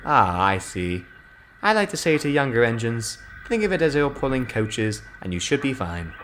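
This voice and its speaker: A man's voice: mid-range voice, big pitch swings, moderate pace, slight background noise. A man voicing a kindly, polite older male engine who gives friendly advice, in a storybook reading. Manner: gentle, friendly, advising. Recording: music playing clearly behind.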